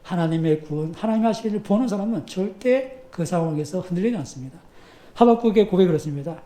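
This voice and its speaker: A male pastor preaching a sermon in an animated, conversational way, full of rhetorical questions. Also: sits high, fast. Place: church sanctuary. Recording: echoey church sanctuary.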